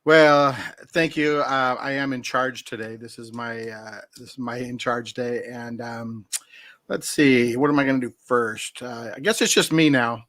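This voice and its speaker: A man's voice: medium pitch, steady tone, unhurried, fairly bright tone. A man in his fifties hosting a comedy morning show, joking and self-mocking in casual banter. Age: 50s.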